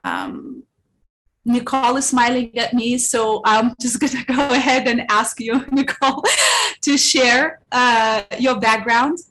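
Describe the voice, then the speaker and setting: A woman's voice: a little high, sing-song, unhurried, a bit bright, low-quality recording. A woman from Lithuania leads a sales workshop over a video call. She talks in a loose, hesitant way, with many fillers and restarts. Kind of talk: online workshop talk.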